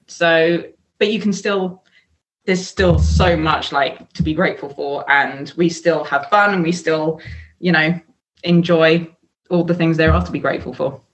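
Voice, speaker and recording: A woman's voice: low-pitched, measured pace, poor audio. An English woman in her thirties, a sobriety coach, talking candidly as a podcast guest with frequent fillers. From England. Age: 30s. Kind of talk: casual podcast interview.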